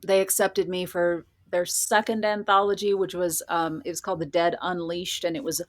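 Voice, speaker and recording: A woman's voice: lowish voice, flat delivery, normal speed, no echo. A woman speaking as a guest in a casual interview, reflective and articulate in an informal way. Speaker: guest, horror fiction writer.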